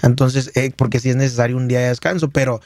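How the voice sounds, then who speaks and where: A singer with a Michoacán Mexican Spanish accent tells his story as a guest on a casual radio show, rambling with plenty of fillers and restarts. He talks fast in a medium-pitched, darkish voice with flat delivery, recorded dry.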